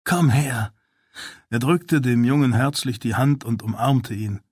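A man reading a novel aloud as narrator, with steady, measured narration. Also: medium pitch, slightly rough, dry recording, studio quality. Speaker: audiobook narrator. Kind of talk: scripted narration.

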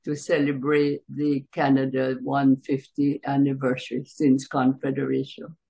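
An older woman from Jamaica recounting her family history in an interview, hesitantly, with long pauses, on a video call from a room at home. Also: extremely low pitch, monotone, creaky, warm tone, husky, rough recording. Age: older, around 70s. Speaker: interview guest, author. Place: small bright room at home, indoors. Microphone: computer mic on a video call.

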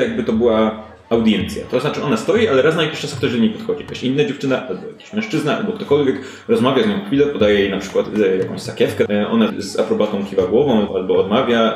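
A man improvising conversational, descriptive narration as the game master of a tabletop role-playing session. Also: on the low side. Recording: roomy sound with music behind.

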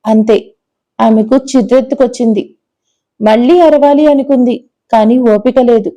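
A woman narrating an audio story with expressive, dramatic delivery. Her voice is a little high-pitched and very warm and mellow. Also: normal speed, dull audio. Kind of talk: scripted narration.

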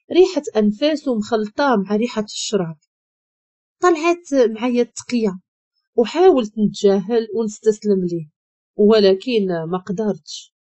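A woman's voice: a little high, dark tone, dry recording. Moroccan woman narrating a dramatic story.

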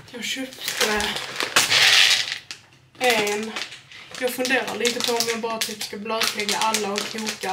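A woman's voice: medium pitch, heavy background noise. A young woman vlogging in casual chat about her shopping, talking freely and swearing when annoyed.

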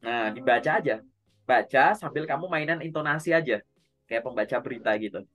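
A man coaching a learner on job interviews in a relaxed, conversational way, speaking straight to them. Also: medium pitch, a little fast, soft background music. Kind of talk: casual online coaching session.

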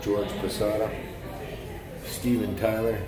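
With a crowd audible behind him, an older vlogger gives a relaxed walking tour of an indoor restaurant and bar, shot on a handheld phone. He chats and points things out in a lowish voice. His delivery is flat and his pace slow.

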